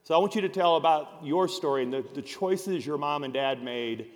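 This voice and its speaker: A man's voice: on the high side, normal speed. A man, a pastor, interviewing a guest on stage and speaking straight to the congregation. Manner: addresses the congregation directly. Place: large church auditorium. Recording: long hall reverb with faint crowd.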